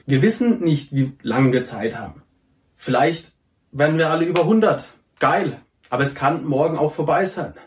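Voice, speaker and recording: Blunt, earnest man preaching to teens. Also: on the high side. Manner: blunt, earnest, swears freely, repeats phrases for emphasis. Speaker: addiction prevention speaker. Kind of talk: direct motivational address to young people.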